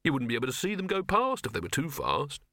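A man's voice: mid-range voice, huge pitch swings, fast, bright, forceful tone, dry recording, clean studio sound, voice pushed up, exaggerated voice. A man voicing a polite, wary young student in a storybook, with an unimpressed, questioning manner. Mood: sceptical.

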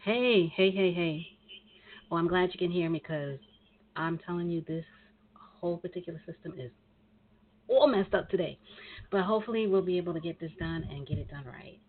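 A woman hosting a talk radio show, chatty and rambling with many pauses, sounding nasal and congested from a cold. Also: lowish voice. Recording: tinny phone line with faint hiss.

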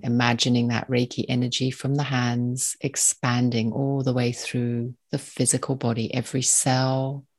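Guided meditation voice, calm, soothing, very level intonation, short spaced phrases, unhurried. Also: mid-range voice, creaky. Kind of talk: guided meditation, slow spoken instruction.

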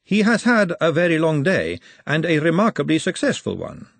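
A man voicing an imperious aristocratic noblewoman in an audiobook, with a husky, emphatic manner. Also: fairly high pitch, huge pitch swings, normal speed, no room sound, pitched above the performer's own voice, heavily acted. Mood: lofty. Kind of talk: audiobook character voice.

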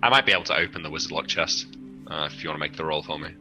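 Deep, bright British man at the table. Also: rapid-fire, soft background music, poor audio. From United Kingdom. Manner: chatty, casual, swears freely, trips over his words. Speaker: player. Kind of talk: livestreamed tabletop game chat.

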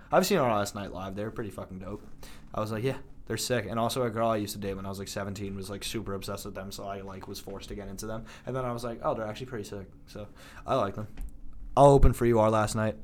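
A man's voice: lowish voice, fairly even intonation, quick pace, a little hiss or hum. A young man in a metal band, a podcast guest chatting loosely and swearing often, with frequent laughs and lots of "like". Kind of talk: casual chat.

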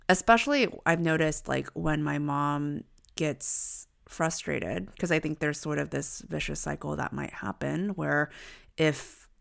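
A young woman co-hosts a podcast and tells a family story in a reflective, easygoing way. Her voice is low with a gravelly fry, and her speech stays clear and smooth. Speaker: podcast co-host. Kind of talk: casual conversation.

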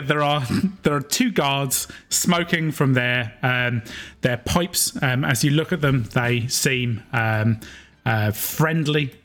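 Rambling British game master. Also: male voice, medium pitch, fairly bright tone. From Britain. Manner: rambling, filler-heavy, laughs easily. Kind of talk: narrating a tabletop game.

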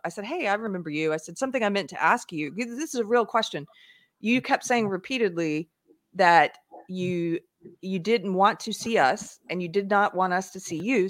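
A woman's voice: mid-range voice, dry recording, studio quality. A woman hosting a live online talk show, retelling events animatedly with frequent laughs. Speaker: livestream show host. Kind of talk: casual chat.

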